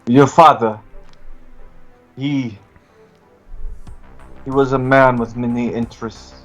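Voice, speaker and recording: A man playing a courtly adventurer in a tabletop game, questioning someone in stilted formal phrases with deliberate pauses. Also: mid-range voice, steady tone, natural voice. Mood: apologetic, courteous. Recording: dull audio, music behind.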